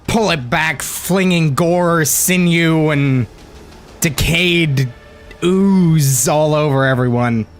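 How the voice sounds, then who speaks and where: A man narrating a tabletop fantasy game as game master, casual and a little halting as he describes the action. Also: fairly high pitch, faint music behind.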